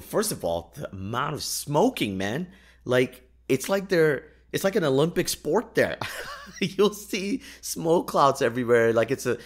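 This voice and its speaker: A man whose first language is Urdu tells anecdotes in a casual, jokey monologue as a podcast host, with wry exaggeration. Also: lowish voice.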